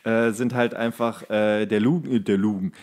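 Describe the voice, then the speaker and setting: A man's voice: lowish voice, fairly even intonation, normal speed, a little mellow. A male podcast co-host chatting casually about practical things in a colloquial, jokey, rambling way. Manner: colloquial, jokey, loose and digressive. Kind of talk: casual, rambling chat about tools and DIY.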